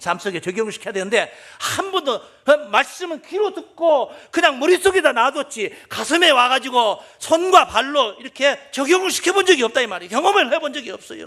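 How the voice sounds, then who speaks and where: In a raised, projected voice with an animated tone, a man speaks at an extremely high pitch, making very wide pitch swings and big swings in loudness with hardly any pauses. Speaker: pastor. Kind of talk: sermon. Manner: fast; animated, emphatic with audience prompts.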